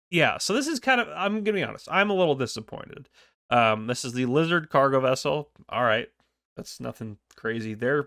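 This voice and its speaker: A man's voice: on the high side, bright, forceful tone, clear, resonant tone, no echo, studio quality. Stuffy-nosed man chatting about a game. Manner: chatty, rambling with many ums. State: congested, stuffy from a cold. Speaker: gaming channel host. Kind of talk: casual game news commentary.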